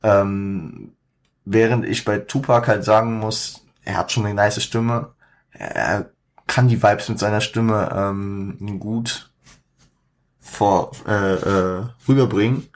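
Man talking in halting casual commentary. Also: fairly low pitch, steady tone. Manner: halting, many fillers and self-corrections; mixes English slang into speech. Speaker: podcast host.

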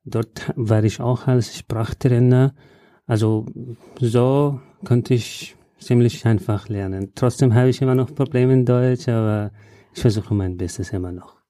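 A man from Afghanistan, answering interview questions in halting, full of hesitations. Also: mid-range voice, steady tone, warm tone, no echo, clean studio sound. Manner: halting non-native German with frequent "äh" fillers. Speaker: guest, journalist.

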